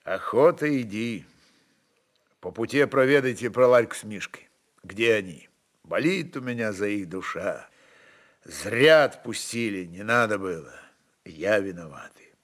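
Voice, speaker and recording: A man's voice: lowish voice, lively intonation, unhurried, a bit bright, pitched below the performer's own voice. A man voicing a cautious, burdened Cossack chieftain with commanding, weighty rustic speech in a dramatized story reading. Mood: troubled, regretful.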